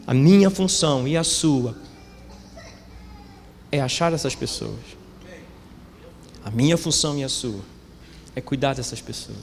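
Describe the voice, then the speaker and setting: A man preaching a sermon as pastor, calling the congregation brothers, with wide swings in pitch and loudness. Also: a little slow, gravelly, long pauses. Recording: echoey hall with faint ambient noise.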